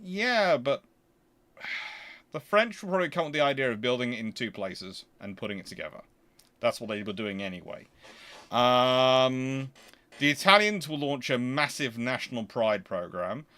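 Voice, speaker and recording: A man's voice: medium pitch, expressive, normal speed, sharp tone. A man hosting a casual question-and-answer stream, talking in an emphatic, argumentative, conversational way. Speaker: host answering viewer questions.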